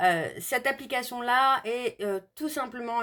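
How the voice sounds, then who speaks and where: This woman's voice moves through ordinary pitch variation. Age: 30s. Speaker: medium and tarot reader. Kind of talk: personal talk to camera. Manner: halting, many hesitations.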